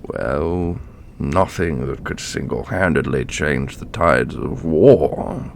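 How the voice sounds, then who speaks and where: Guy acting as old immortal exiled order leader, fantasy roleplay, gravelly, really slow, formal and solemn. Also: a bass voice, a little hiss or hum, heavily acted. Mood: grave, thoughtful. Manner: formal, measured, deliberate. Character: ancient divine grand master, solemn exiled leader of a loyalist order.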